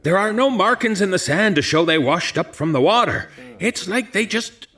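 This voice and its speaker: An actor playing an anxious, earnest local politician in an audio drama, formal yet hesitant. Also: male voice, high-pitched, animated, moderate pace, pushed and bright. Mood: worried, earnest.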